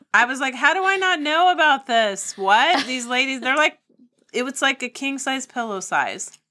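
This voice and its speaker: A woman's raised, projected voice has a bright, sharp tone and high pitch. Her pace is moderate. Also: lively intonation. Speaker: podcast co-host. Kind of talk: casual chat. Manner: animated, joking.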